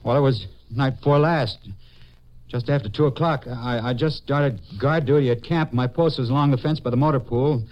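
An actor playing a nervous, evasive young Army soldier with an American accent, halting and pleading, in 1950s radio drama style. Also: male voice, mid-range voice, lo-fi sound, lightly acted.

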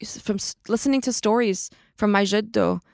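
A woman's voice: medium pitch, moderate pace, vocal fry, a little mellow, no room sound, studio quality. A woman in a casual chat, speaking in a heartfelt way and listing things with repetition.

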